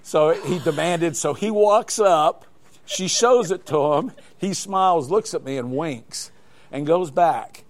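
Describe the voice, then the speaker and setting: A man's voice: on the high side, takes it slowly. Rambling older male storyteller. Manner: rambling storyteller with many restarts. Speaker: interview guest, glider flight examiner. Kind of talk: live studio interview, telling anecdotes.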